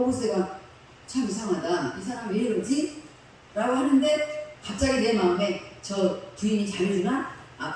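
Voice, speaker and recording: A woman's voice: a little high, a little mellow, slight background noise. A woman pastor telling a story in a sermon, in a chatty, colloquial way, laughing along with the congregation. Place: church sanctuary. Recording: echoey hall from far off.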